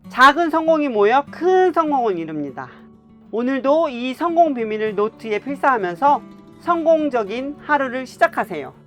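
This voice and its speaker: A woman reading upbeat motivational narration, energetic and encouraging. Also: high voice, soft background music. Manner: upbeat, rapid, lively. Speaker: motivational channel host.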